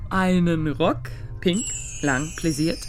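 An actress playing a cheeky, easily delighted bar regular in a radio play, slangy and gushing. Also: female voice, lowish voice, slow pace, faint music behind. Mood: excited, teasing.

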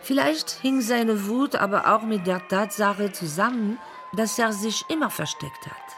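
Radio play role, acted: drag queen ex-lover, mid-pitched, unhurried, wry and confiding, music underneath. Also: crowd noise, lightly acted. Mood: confiding, rueful. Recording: music behind the voice.

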